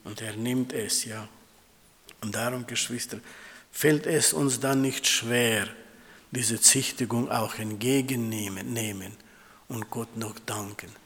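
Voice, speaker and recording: A man preaching a sermon in a large hall, his voice trailing off in a long reverb. He speaks at an ordinary pitch, keeps calling the congregation siblings and works through scripture verses. His phrasing is halting and non-native, with restarts. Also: fairly even intonation, fairly bright tone.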